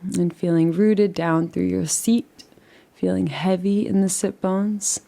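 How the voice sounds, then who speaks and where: Gentle, creaky-voiced woman guiding meditation. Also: lowish voice, steady tone. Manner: soothing, unhurried, gentle instruction. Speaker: meditation guide. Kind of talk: guided relaxation meditation.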